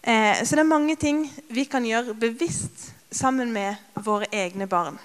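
A woman in her thirties giving a conversational sermon with personal stories, with many filler sounds, and lively when she retells scenes. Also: on the high side. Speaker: preacher. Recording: long reverb of a large hall.

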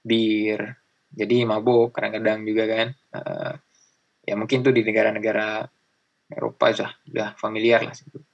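Gravelly-voiced young man chatting casually. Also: on the low side, monotone, moderate pace, lo-fi sound. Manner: chatty, many fillers, acts out greetings. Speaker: guest. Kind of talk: casual chat.

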